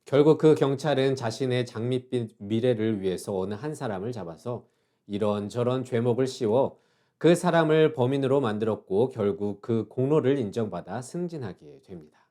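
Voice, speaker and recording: A middle-aged man, a pastor, giving a short devotional sermon with calm, measured reading whose line endings trail off softly. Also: medium pitch.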